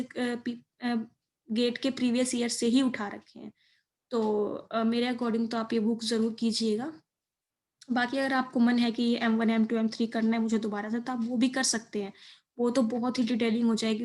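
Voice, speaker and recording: A woman's voice: fairly high pitch, darkish tone. A young woman with an Indian accent giving informal study advice as a video presenter, explaining step by step and mixing in English terms. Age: young adult. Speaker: exam preparation video presenter.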